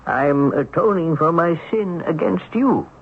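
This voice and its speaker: An actor playing a kindly, folksy old ghost in a radio drama, reassuring and unhurried. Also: male voice, fairly high pitch, expressive. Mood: calm, welcoming. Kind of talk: 1970s radio drama acting. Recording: phone-like band, noisy old radio recording.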